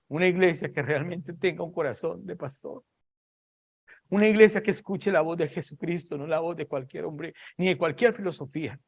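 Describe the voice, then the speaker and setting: A man's voice: fairly high pitch, vocal fry, husky. A man preaching a sermon, dramatic and emphatic, repeating phrases for emphasis and acting out scenes. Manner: dramatic, acts out Bible scenes in raised voices.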